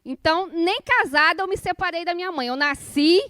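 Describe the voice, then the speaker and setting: A woman's voice: extremely high pitch, brisk, pushed and bright, no echo, studio quality. A woman in her forties with a Brazilian accent from Rio, giving an informal lecture in a colloquial, conversational way, often checking in with her listeners through questions. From Rio de Janeiro, Brazil. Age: 40s. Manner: conversational, colloquial, personal storytelling. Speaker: spiritist course lecturer.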